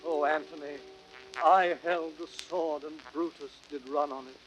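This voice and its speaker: An actor playing a loyal, sorrowful Roman servant soldier in old radio Shakespeare style, on a muffled hissy recording. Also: male voice, a little high, steady tone, measured pace, music in the background, close to an everyday voice. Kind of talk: 1930s radio Shakespeare acting.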